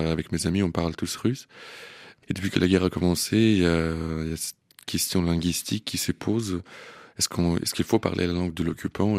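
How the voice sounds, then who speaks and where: Brief: man, very low voice, dry close sound, halting radio guest. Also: gravelly, no echo. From Ukraine. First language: Russian and Ukrainian. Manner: hesitant, many fillers and restarts, laughs softly. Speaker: interview guest. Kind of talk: radio interview.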